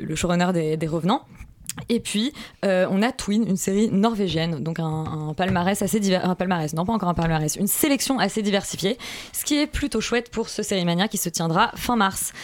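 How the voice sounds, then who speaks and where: A woman hosts a radio film show in relaxed, chatty talk. She moves briskly from one segment to the next. Her tone is playful and light. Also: medium pitch. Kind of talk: casual radio chat.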